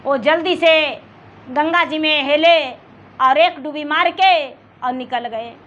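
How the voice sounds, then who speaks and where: A woman's voice: high voice, slow, fairly bright tone. A woman with a Bihari accent narrating a devotional folk tale as a storyteller, addressing her listeners, on a dull home recording. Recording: dull home recording, faint background noise.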